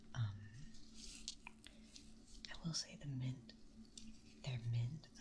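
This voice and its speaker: Soft-spoken, this speaker goes along at a very slow pace. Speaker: VTuber, ASMR creator. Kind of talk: ASMR ramble showing a dice collection.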